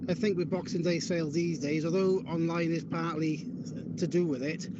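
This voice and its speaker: A man giving his opinion casually, as a caller on a dull line with loud vehicle noise behind him. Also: a little high, fairly even intonation, normal speed. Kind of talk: casual opinion on a call-in show.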